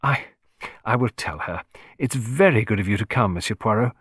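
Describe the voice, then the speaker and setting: A man doing a flat, guarded young woman. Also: on the low side, moderate pace, husky, no room sound, studio quality. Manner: flat, subdued.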